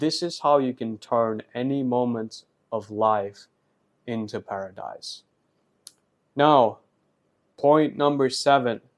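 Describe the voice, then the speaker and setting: A man speaks very slowly at a medium pitch with ordinary pitch variation, leaving long, frequent pauses, on a very clean recording with a silent background. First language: not English. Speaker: podcast host, self-help coach. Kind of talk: solo podcast monologue. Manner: casual, conversational.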